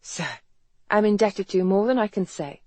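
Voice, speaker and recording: A narrator voicing a sardonic young woman doctor, lifting the pitch and speaking briskly. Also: darkish tone, no echo, natural voice.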